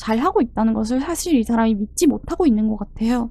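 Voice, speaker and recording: A high-pitched woman's voice at a fairly quick pace, with ordinary pitch variation and noticeable background noise. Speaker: tarot reader. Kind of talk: tarot reading monologue. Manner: fast; halting.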